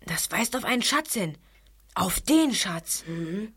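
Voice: mid-range voice, big pitch swings, takes it slowly, fairly bright tone, breathy edge, heavily acted. A performer playing a hesitant teenage detective in an audio drama. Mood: earnest, uneasy. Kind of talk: German children's radio play acting.

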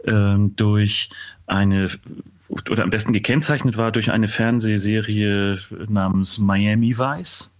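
Middle-aged man with a lower voice, deliberate. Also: fairly even intonation. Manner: hesitant, deliberate phrasing with frequent pauses. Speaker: interview guest, composer and music producer. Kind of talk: reflective interview answer, recounting past work.

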